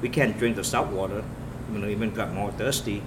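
Lower-voiced guy w telling his story in choppy earnest bits, lots of room hum behind. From Vietnam. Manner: earnest, halting, short broken phrases. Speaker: police officer telling his life story. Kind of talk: interview storytelling. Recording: noisy room with steady background hum.

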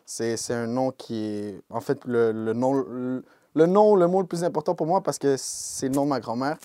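Laid-back young Québécois man, mellow voice. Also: medium pitch, moderate pace, no room sound. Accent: Québécois French. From Quebec, Canada. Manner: laid-back, peppered with English slang like "yo" and "bro". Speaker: rapper, interview guest. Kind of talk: casual interview talk.

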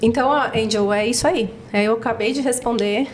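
Brazilian woman podcast guest, fast and bright-voiced, spirited storyteller. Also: fairly high pitch, a little hiss or hum. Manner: animated storyteller, acts out quotes. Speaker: podcast guest, project founder. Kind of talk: casual podcast chat.

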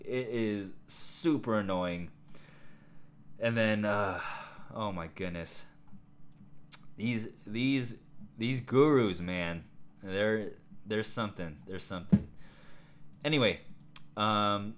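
Hoarse man rambling on a podcast. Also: fairly low pitch. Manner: rambling, excitable, many fillers and asides. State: hoarse, raspy voice. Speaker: podcast host. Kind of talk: casual solo podcast talk.

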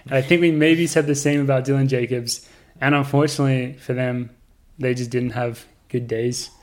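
Relaxed New Zealand man, flat delivery. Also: medium pitch, moderate pace. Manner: relaxed, rambling, laughs often. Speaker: podcast co-host. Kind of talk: casual chat.

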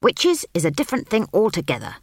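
A woman voicing a stern old country witch in an audiobook story, brisk, snapping and short-tempered. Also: on the low side, very animated, pushed and bright, a little hiss or hum, heavily acted. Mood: angry, scornful.

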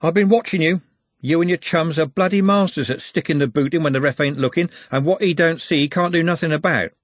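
A man's voice: fairly high pitch, a little fast, dry recording, voice pushed up, close to an everyday voice. A man voicing a menacing, working-class street bully in an audiobook, goading in colloquial speech.

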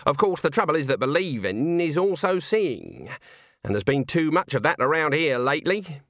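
A man's voice: on the high side, sing-song, normal speed, dry recording, studio quality, pitched above the performer's own voice. A man reading a storybook, voicing a blunt, unflappable old country witch with folksy, snappy, self-assured speech. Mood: calm, pointed.

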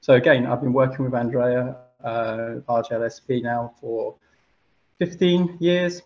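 A man's voice: mid-range voice, unhurried. Hesitant man on dull call audio. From United Kingdom. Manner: hesitant, many uhs and ums. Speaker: podcast guest. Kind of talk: casual interview chat.

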